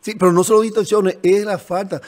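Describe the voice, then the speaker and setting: A man's voice: sits high, fairly even intonation, fairly quick, darkish tone. A man in his sixties with a Dominican Spanish accent, a Catholic priest speaking earnestly and in a fatherly way as a guest on a TV panel, at a desk microphone in a studio. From Dominican Republic. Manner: earnest, fatherly, gestures emphatically. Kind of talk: TV panel discussion. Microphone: desk microphone on stand.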